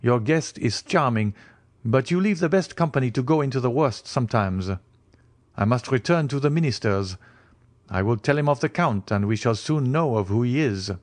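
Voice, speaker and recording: An urbane young gentleman of Paris, acted by a male narrator, talks in a lifted pitch. He is polite but inquisitive, with a witty, teasing turn in his audiobook dialogue. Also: animated, moderate pace, natural voice. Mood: breezy.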